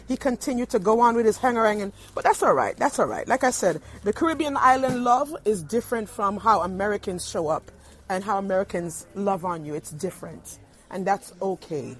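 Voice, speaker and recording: A woman's voice: mid-range voice, a little fast, slightly rough. Chatty woman on a radio phone-in. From Brooklyn, New York. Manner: animated, chatty storyteller with playful asides and laughs. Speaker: radio show host. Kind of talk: casual chat while shopping. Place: indoors in a small Caribbean grocery store. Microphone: phone call into a radio show.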